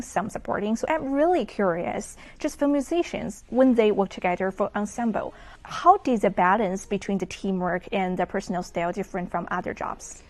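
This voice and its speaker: A woman's voice: medium pitch, a little mellow. A woman hosting an interview, asking questions in careful, prepared phrasing with occasional hesitations. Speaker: interviewer, host.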